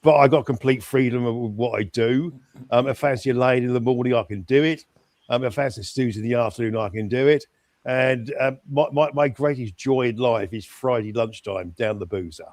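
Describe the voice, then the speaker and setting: A man's voice: mid-range voice, brisk, darkish tone, no echo. An older man, a guest in a casual chat, cheerful and full of hesitations and repeated words. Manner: hesitant, stammering, upbeat.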